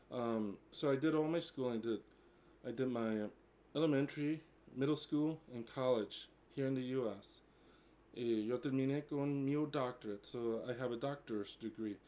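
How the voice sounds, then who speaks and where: This American vlogger in his forties talks casually to the camera, hopping between English, his native tongue, and the Portuguese he's still learning. His voice is mid-range and mellow, and he sounds hesitant, leaning on plenty of fillers.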